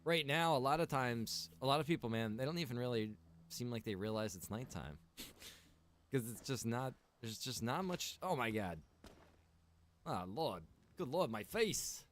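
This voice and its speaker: A man's voice: medium pitch, animated, unhurried, slight background noise. A man live streaming a game, talking casually to viewers and thinking aloud in an informal, chatty way.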